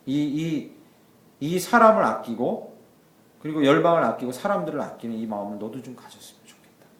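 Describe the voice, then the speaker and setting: A man's voice: fairly high pitch, animated, brisk, fairly bright tone, echoey room. A male pastor preaching a sermon, telling the story with animation and acting out the characters' voices.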